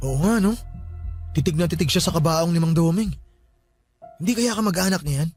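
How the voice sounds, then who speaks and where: A man voicing a jumpy young man in a radio drama, high voice, music underneath. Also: fairly quick, natural voice. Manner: jumpy, excitable. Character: young man, nervous friend at a wake.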